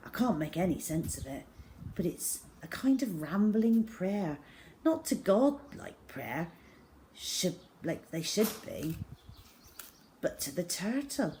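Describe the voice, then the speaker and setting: A woman reads a story aloud as its narrator. Her delivery is expressive and measured, with dramatic weight given to the feeling in each phrase. It sounds like a children's audiobook told in the first person. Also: fairly low pitch, slight background noise.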